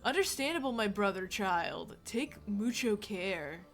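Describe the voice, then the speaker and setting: A woman's voice: medium pitch, expressive, measured pace, soft background music. A woman voicing a laid-back, exhausted party-loving dude in a game, drawling in slacker slang. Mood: weary, mellow.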